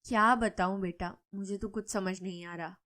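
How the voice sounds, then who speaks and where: A woman voicing a gentle, worried older mother-in-law who answers softly and defensively in a cartoon story. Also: mid-range voice, fairly even intonation, moderate pace, pitched below the performer's own voice, natural voice. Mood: resigned.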